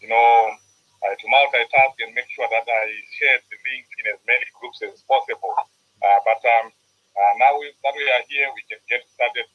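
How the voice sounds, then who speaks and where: A man's voice: mid-range voice, fairly even intonation, normal speed. Earnest man on a dull call line. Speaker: radio host and organiser. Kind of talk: opening remarks in an online panel. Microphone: video call.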